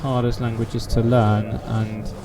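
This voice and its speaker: A young Polish man with a Polish accent chats casually while streaming a game, thinking aloud and restarting often. His mid-range voice is flat in delivery and slow. There is background noise, with game music playing behind him.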